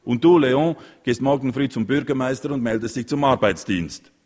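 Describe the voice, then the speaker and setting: A man acts out a decisive mother in an audiobook, pitched up and firm. She gives orders without room for argument. A long reverb trails each line. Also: a little fast, darkish tone, close to an everyday voice. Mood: commanding. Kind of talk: audiobook reading.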